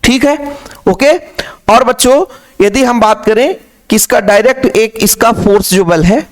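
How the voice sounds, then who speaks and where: A man's voice: extremely high pitch, unhurried. A man teaching physics to his pupils, repeating key phrases and asking questions that he then answers himself. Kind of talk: classroom lecture.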